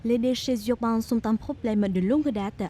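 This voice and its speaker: A woman's voice: on the high side, normal speed, dark tone, a little hiss or hum. A woman reporter reading scripted narration for a television news report.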